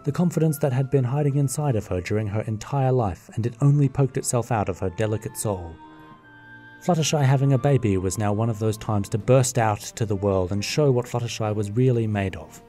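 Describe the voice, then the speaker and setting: A man's voice: mid-range voice, fairly quick, warm tone, faint music behind. A man narrating a fan radio play in a wry, jokey way.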